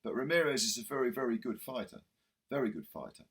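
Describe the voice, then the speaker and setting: Hoarse man losing his voice. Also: mid-range voice, expressive, fast, fairly bright tone. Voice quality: husky. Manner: chatty, rambling with fillers and restarts. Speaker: boxing channel host. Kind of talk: casual video commentary.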